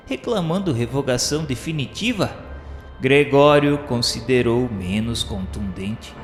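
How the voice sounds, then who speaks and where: An actor playing a solemn narrator who recounts a radio drama in formal, literary phrasing. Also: male voice, medium pitch, natural voice. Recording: echoey long hall reverb, music underneath. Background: music.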